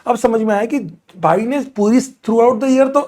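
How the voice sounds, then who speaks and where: Guy teaching chemistry live online, kinda high voice, scolding and teasing the kids in chat. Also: measured pace, a little mellow. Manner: scolding, teasing students in chat, mixing English terms. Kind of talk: live online lecture answering doubts.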